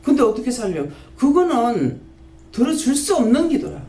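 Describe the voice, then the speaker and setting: A woman pastor, preaching a sermon and scolding with rapid-fire rhetorical questions. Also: fairly high pitch, big pitch swings, mellow. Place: prayer house church. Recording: echoey church hall, faint background noise.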